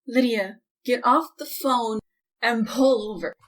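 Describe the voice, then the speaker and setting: Woman acting bossy young woman, raised pitch. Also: takes it slowly, poor audio. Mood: exasperated. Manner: scolding, sarcastic. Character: bossy, exasperated young woman looking after a friend. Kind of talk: audio drama acting.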